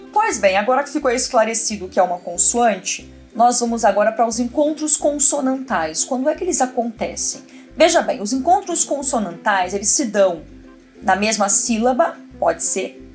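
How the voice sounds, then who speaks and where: A Brazilian woman teaching an online Portuguese grammar lesson, lively and talking straight to the viewer with questions. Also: a little high.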